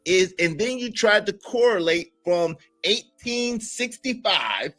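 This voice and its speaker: Forceful, combative man on a stream. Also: sits high, lively intonation, takes it slowly, faint music behind. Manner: forceful, combative, talks over others. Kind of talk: heated live-stream debate.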